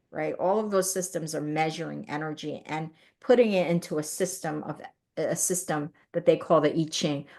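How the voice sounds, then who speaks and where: A middle-aged woman, born in South Korea and raised in the US, hosts a casual live stream with a slightly low voice. She talks warmly and earnestly, filling her sentences with "you know" and "right?". She grows lively when she thanks viewers. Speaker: live stream host reading viewer comments. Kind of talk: casual live-stream chat about spirituality.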